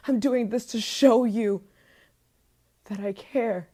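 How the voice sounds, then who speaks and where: A woman's voice: on the high side, takes it slowly, mellow. A woman playing an obsessive, possessive, murderous yandere lover in an intimate ASMR roleplay monologue, moving between whispers and frantic outbursts. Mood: jealous, frantic rage.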